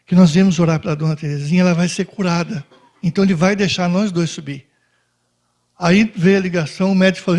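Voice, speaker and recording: A man giving a spoken Christian testimony to a dinner audience, telling his story in an animated way and acting out the voices of the people in it. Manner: animated storytelling, acts out dialogue with shifts in pitch. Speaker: guest speaker giving a testimony.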